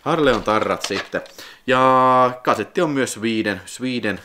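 A man with a Finnish accent chatting casually as he unboxes videotapes in his vlog, excitable and prone to sudden high whoops. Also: noisy background. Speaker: video collector vlogger.

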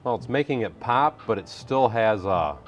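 A man's voice: fairly low pitch, lively intonation, normal speed. A middle-aged man hosting a live building stream, chatting casually, reading viewer comments and laughing easily. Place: indoor workshop room.

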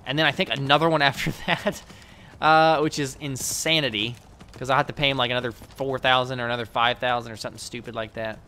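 A man's voice: mid-range voice, steady tone, fast, bright, forceful tone, a little hiss or hum. A man giving loose, profane running commentary while playing a video game, talking back at the game and its characters. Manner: profane, rambling, talks to the game. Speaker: let's play host. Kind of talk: casual gameplay commentary.

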